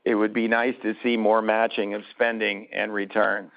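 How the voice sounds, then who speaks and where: Halting, gravelly man on a phone line. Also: on the low side, little pitch movement. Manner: halting, deliberate, often restarting phrases. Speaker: company executive answering questions. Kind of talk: unscripted answers on an earnings call. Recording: muffled narrowband phone conference line.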